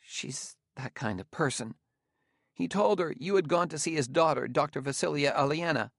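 A man's voice: moderate pace, creaky, fairly bright tone, no echo, clean studio sound. A man voicing a nervous, aggrieved spacer in an audiobook, flustered and defensive in manner. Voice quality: squeaky when agitated. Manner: flustered, pleading, stammering, defensive. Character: nervous, aggrieved male spacer, fretful and whiny. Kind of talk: audiobook character dialogue.

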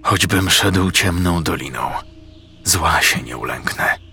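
Male narrator doing a devout warrior deep in a low murmured psalm, grave and unhearing, for a horror audiobook, soft music behind. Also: expressive, slow pace, full character voice. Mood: solemn prayer.

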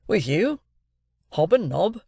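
A man reading aloud and voicing a bluff, hearty army sergeant who gives brisk orders and jovial toasts. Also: high-pitched, sing-song, gravelly, mellow, slightly rough, no room sound, studio quality, voice pushed up, exaggerated voice.

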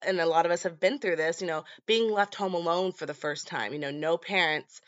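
Female podcast host, lowish voice, congested and nasal as if throat is swollen, casual delivery, dry but dull recording. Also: brisk, dry recording. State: congested from allergies, sore throat. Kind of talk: casual scripted horror movie podcast.

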